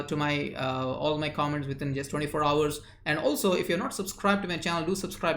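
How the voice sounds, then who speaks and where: A man's voice: a little high, fairly bright tone. Man hosting a live chat, echoey room. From India. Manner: chatty, reads chat names and answers quickly, frequent uh fillers. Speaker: live-stream host and memory coach. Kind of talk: live stream, reading viewer chat aloud.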